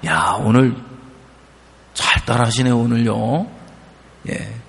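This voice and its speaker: A man preaching a sermon, telling a story and acting out the people in it in lively voices. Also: medium pitch, slow pace, creaky. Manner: animated storytelling, acting out an elderly mother's stubborn replies. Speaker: pastor. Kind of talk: sermon with acted-out anecdotes. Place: church sanctuary. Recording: long reverb of a church hall.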